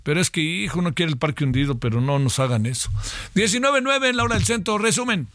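A man's voice: fairly high pitch, expressive, fast talker, fairly bright tone, dry recording, clean studio sound. A man with a Mexico City accent hosting a news show, chatting casually and folksily with his listeners and posing questions to them. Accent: Mexico City Spanish. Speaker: radio news host.

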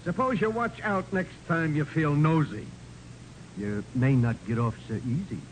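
An actor playing a blustery, folksy, slow-on-the-uptake police detective in a 1940s radio drama. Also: male voice, natural voice. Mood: scolding. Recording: noisy, rumbly 1940s radio recording.

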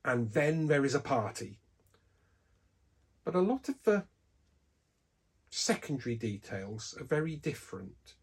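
A man giving a scripted devotional Bible talk, telling a story with lively emphasis on key words. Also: mid-range voice, measured pace, pauses often, husky.

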